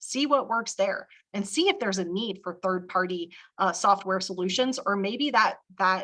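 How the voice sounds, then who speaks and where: A woman with an unremarkable speaking voice talks at medium pitch with ordinary pitch variation. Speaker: assistive technology trainer for teachers of the visually impaired. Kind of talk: webinar presentation.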